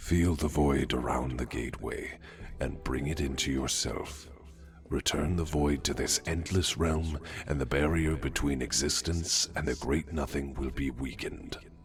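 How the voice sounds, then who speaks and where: Someone uses a put-on character voice at a moderate pace. Clear background noise is present. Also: man. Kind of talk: archaic dark-fantasy villain speech. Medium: audio drama. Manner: solemn, formal, cold.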